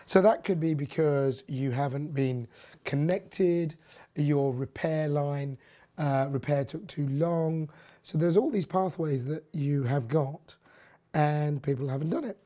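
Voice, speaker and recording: A hoarse host whose voice is nearly gone, leaving a husky, mellow, dark tone. The delivery is loose and casual, full of ums, restarts and opinionated side remarks as the host chats through the news. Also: medium pitch. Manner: rambling, filler-heavy, opinionated asides. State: hoarse, losing voice. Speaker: podcast host. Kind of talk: casual energy news commentary.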